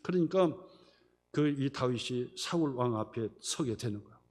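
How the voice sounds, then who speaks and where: A man's voice: mid-range voice, lively intonation, normal speed, darkish tone. A male pastor preaching a sermon, retelling a story vividly and acting out the characters' voices. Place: church sanctuary. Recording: reverberant church hall.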